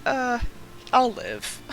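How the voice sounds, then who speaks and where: Young trans man, light youthful voice, bright tone, lively up-and-down delivery, unhurried rambling chat with frequent laughs. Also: very high voice, a little hiss or hum, poor audio. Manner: rambling, chatty, laughs often, greets viewers mid-story. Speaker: game streamer. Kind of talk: casual live-stream chat.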